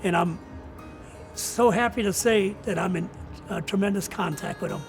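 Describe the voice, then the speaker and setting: Older man, high-pitched gravelly voice. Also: moderate pace, soft background music. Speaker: retiring college soccer coach. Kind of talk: reflective interview answers.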